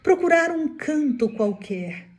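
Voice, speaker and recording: A woman giving a spiritist devotional talk, telling a story dramatically with sudden hushed drops. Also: sits high, sing-song, slow pace. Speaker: spiritist speaker.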